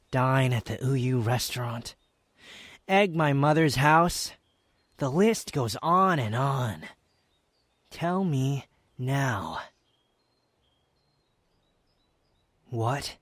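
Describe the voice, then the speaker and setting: A man's voice: medium pitch, fairly bright tone, dry recording, studio quality. A man playing a proud, sardonic young wanderer, a guarded yet tender lover, in an intimate romantic ASMR roleplay with a teasing, haughty, dramatic delivery. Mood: mocking, teasing.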